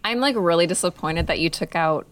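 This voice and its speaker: A woman's voice: fairly low pitch, fairly quick, slight background noise. A woman co-hosting a podcast in casual chat, playful and full of "like" fillers. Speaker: podcast co-host.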